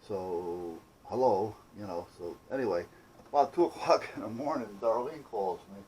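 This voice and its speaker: A man's voice: on the low side, expressive, normal speed, a little mellow, slight background noise, rough recording. A man talking in a casual, rambling, folksy way, like a DIY vlogger telling a story. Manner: folksy, salty-tongued, conversational.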